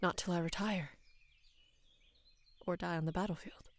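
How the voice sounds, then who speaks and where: A young woman in her twenties playing a devoted female knight in love with her queen, speaking hesitantly and deferentially in a soft, breathy voice for intimate roleplay audio. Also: fairly low pitch, steady tone, no room sound, close to an everyday voice. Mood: flustered, earnest. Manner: hesitant, halting, deferential, earnest.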